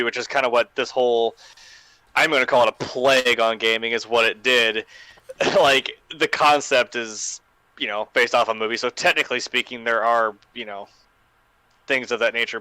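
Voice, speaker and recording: A man's voice: medium pitch, sharp tone, no echo, poor audio. A man on a panel, chatting casually and giving his opinions.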